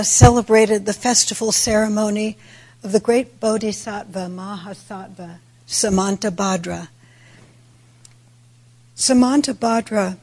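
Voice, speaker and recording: Slow, raspy woman giving a sermon. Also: medium pitch, darkish tone. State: raspy voice today with throat clearing. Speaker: Buddhist teacher giving a dharma talk. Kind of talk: sermon, reflective religious talk.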